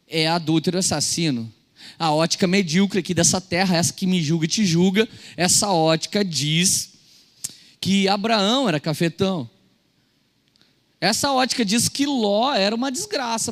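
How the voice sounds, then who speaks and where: Brazilian male pastor, young adult, high-set voice, storytelling sermon, church reverb. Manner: storytelling with acted quotes, swings between loud and soft. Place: church service hall.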